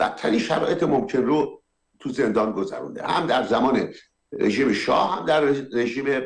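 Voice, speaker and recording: Audible room echo accompanies a man talking at a fairly quick pace. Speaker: talk show host. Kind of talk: interview.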